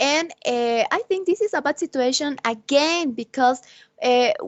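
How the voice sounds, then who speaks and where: A woman speaks with a Bolivian accent and lively intonation. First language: Spanish. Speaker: student ambassador, AI researcher. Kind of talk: conference presentation. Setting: online conference. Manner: halting, many fillers and repetitions.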